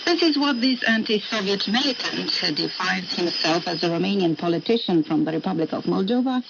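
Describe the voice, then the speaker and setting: A woman's voice: medium pitch, animated, fairly quick, creaky. Woman newsreader through heavy shortwave noise. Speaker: radio news presenter. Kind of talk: scripted news narration. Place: radio studio, heard over shortwave. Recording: noisy muffled shortwave radio broadcast.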